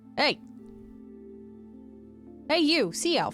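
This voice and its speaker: A female-sounding, high-pitched put-on character voice. Clear music plays in the background. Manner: gruff, calling out.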